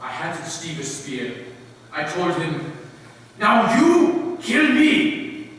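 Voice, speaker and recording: A man's voice: a little high, sing-song, fairly bright tone, exaggerated voice. A man on stage playing a fierce tribal warrior haunted by killing, declaiming solemnly in a dramatic recital. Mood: grave, remorseful. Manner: slow, solemn, declamatory delivery. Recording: very echoey hall from far off, faint noise.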